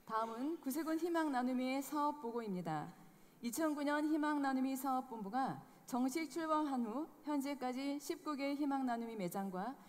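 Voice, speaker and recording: High-voiced woman presenting a formal report. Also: darkish tone. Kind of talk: scripted report narration. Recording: long hall reverb.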